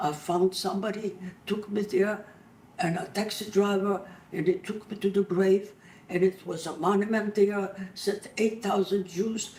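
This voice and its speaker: Amid noticeable background noise, a woman at medium pitch speaks in a monotone, flat intonation. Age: 80s+. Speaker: Holocaust survivor. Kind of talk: interview answer.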